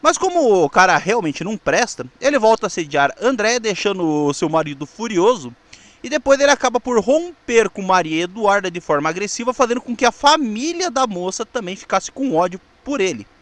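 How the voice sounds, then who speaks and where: High-pitched Brazilian man narrating. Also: sing-song, a little fast, a bit bright, no room sound. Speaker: host of a retro television review show. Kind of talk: semi-scripted narration recapping a telenovela.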